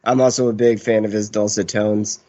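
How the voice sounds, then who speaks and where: A man's voice: fairly low pitch, level tone, moderate pace, darkish tone. Rambling, joking man, slightly muffled audio. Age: 30s. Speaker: podcast player. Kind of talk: casual chat.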